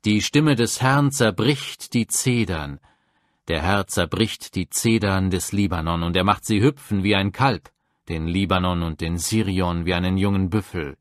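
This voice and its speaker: A man reading psalms aloud for a Bible audiobook, measured and reverent. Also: sits low, no echo, clean studio sound. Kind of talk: solemn scripture reading.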